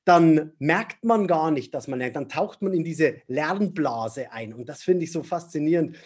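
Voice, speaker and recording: A man being interviewed on a podcast as a memory trainer, animated and enthusiastic, laughing often. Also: fairly high pitch, measured pace, breathy edge.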